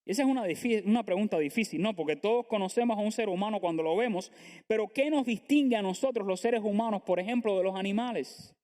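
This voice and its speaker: Male pastor, high voice, earnest sermon delivery with rhetorical questions. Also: fast, darkish tone. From Latin America. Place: church sanctuary.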